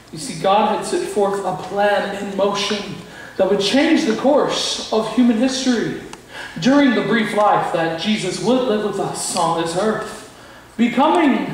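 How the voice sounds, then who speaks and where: A man's high voice at a fairly slow pace, with strong room echo and light background noise. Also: ordinary pitch variation. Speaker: narrator in a Christmas performance. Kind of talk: dramatic monologue. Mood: solemn, reverent. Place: church. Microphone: camera far.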